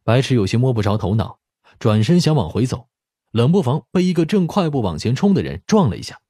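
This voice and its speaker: A man's voice: mid-range voice, sing-song, a little fast, mellow, breathy edge, dry recording, studio quality. A man reading a dramatic scripted audiobook narration.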